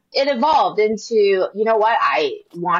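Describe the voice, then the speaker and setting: A plain, everyday voice, with an American accent. The intonation is lively. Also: woman. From Seattle, US. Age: 40s. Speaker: comedian and TikTok creator. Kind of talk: casual chat, game show banter.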